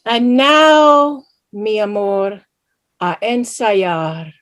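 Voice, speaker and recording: A woman playing a vain, spirited middle-aged Latina immigrant mother in a staged play reading, coaxing and wry. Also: fairly high pitch. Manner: coaxing, mixes in Spanish words.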